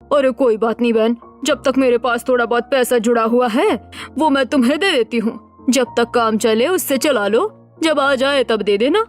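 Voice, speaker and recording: A woman's voice: on the high side, normal speed, faint music behind, close to an everyday voice. A woman voicing a kind, helpful middle-aged neighbor aunt in a cartoon story. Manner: warm, sympathetic.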